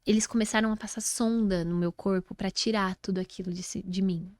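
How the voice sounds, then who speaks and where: A woman's voice: mid-range voice, a little fast, dry recording. A woman with a Brazilian Portuguese accent, a guest telling a story in a casual interview and acting out what people said. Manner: animated, acts out quoted speech.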